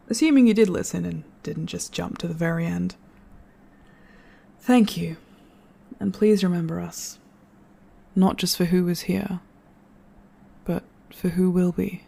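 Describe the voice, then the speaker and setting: An actor playing a reflective storyteller in an audio drama, giving an earnest, measured farewell address to listeners. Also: mid-range voice, steady tone, gravelly, dark tone. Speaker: narrator.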